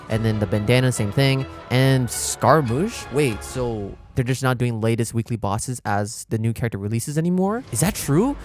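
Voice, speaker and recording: A man's voice: mid-range voice, a little mellow. A man giving casual, chatty reaction commentary as a gaming content creator, explaining things as he goes. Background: music.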